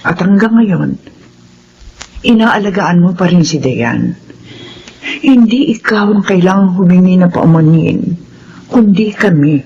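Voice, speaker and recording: An actress playing a wealthy mother who speaks calmly and thanks her family's maid in a TV drama. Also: lowish voice, husky, highs cut off, heavily acted. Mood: earnest. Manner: calm, measured speech. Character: wealthy employer mother, humble and grateful. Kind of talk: TV drama acting.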